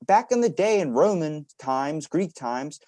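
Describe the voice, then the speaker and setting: A man hosting a casual interview podcast, rambling freely, swearing often and getting animated when he rants. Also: fairly high pitch, measured pace, no room sound, clean studio sound. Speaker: podcast host.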